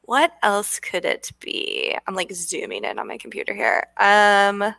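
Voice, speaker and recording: A woman's voice: medium pitch, big pitch swings, unhurried, vocal fry, bright, forceful tone, no echo. A woman co-hosting a live coding stream, chatty and bubbly, reading out comments from the chat.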